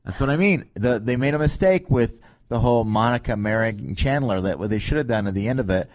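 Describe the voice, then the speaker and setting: A man hosting a podcast in casual, joking banter, talking in a meandering, halting way on a close mic. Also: mid-range voice, animated, no echo. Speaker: podcast host.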